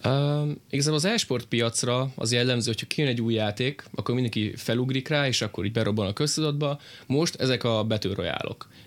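This man talks very fast at a medium pitch. His pitch varies in an ordinary way. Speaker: esports player. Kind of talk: studio interview discussion.

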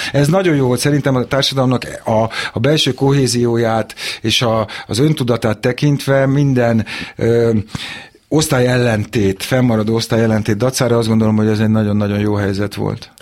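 The speech runs at a fairly quick pace with fairly even intonation and very even loudness. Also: man, medium pitch for a man. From Budapest, Hungary. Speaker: writer and editor. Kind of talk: interview. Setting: studio. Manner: halting.

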